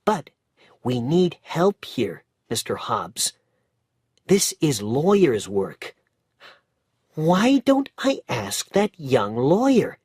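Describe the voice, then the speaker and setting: A man voicing an excited young male shoeshine boy in a storybook reading, talking loud and urgent. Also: fairly high pitch, extremely slow, long pauses, slightly rough, no echo, studio quality, pitched above the performer's own voice, heavily acted. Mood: determined. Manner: shouting, breathless, urgent.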